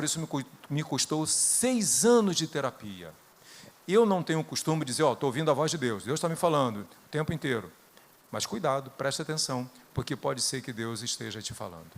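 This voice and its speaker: A middle-aged Brazilian man with a Brazilian Portuguese accent, preaching a sermon built on personal stories, rising to loud bursts and dropping to hushed tones. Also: mid-range voice, a little hiss or hum. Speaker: guest preacher.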